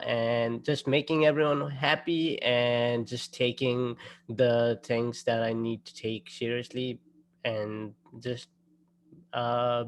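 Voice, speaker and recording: A man's voice: medium pitch, gravelly. Flustered, joking man from Nepal. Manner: self-deprecating, flustered, casual. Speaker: student ambassador.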